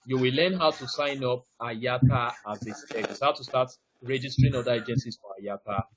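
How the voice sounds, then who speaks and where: A man hosts a live online ticketing class over video call, narrating step by step, saying "now" constantly, and quizzing attendees. He talks fairly quickly in a mid-range voice, over dull, dry call audio with crowd noise.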